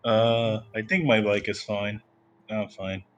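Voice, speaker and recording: A man's voice: lowish voice, flat delivery, takes it slowly, lo-fi sound, slight background noise. A man playing a tabletop game, bantering casually with the group.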